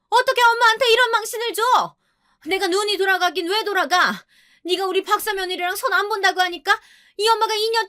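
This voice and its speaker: A woman plays a haughty middle-aged mother-in-law in a storybook radio tale, her voice pitched extremely high and bright as she sneers and shouts insults. She stays snobbish and contemptuous throughout.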